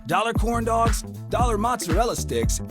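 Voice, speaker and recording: A woman's voice: a little high, sing-song, normal speed, loud music behind the voice. A woman voicing a commercial with a bouncy, sing-song delivery. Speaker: commercial voice-over. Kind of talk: sung-spoken ad read.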